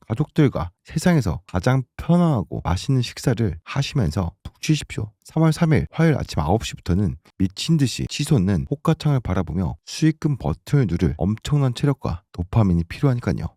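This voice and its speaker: A man hosting a stock market channel, delivering an urgent, emphatic scripted pitch while hoarse from a throat cold. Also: mellow, no echo, clean studio sound.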